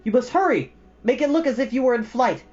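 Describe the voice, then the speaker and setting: A man voicing a proud young boy hero who speaks loudly and decisively, as if giving orders. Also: very high voice, animated, a little fast, dull audio, soft background music, voice pushed up. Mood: commanding. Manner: loud, decisive, commanding.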